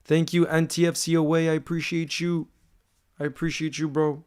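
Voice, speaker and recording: A young man hosting a live fan stream, chatting casually and excitedly with viewers, calling them bro and filling with you know. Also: a little high, moderate pace, clean tone. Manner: hyped, calls viewers bro, many you-knows. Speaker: livestream host reading fan chat. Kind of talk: casual watchalong chat.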